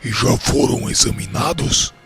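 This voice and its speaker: A man's voice: mid-range voice, unhurried, fairly bright tone, soft background music. A man playing a stern, aloof priest spirit in a radio drama, speaking in a curt, imperious, formal manner. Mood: cold, commanding. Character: stern, aloof male priest spirit ruling a dark realm.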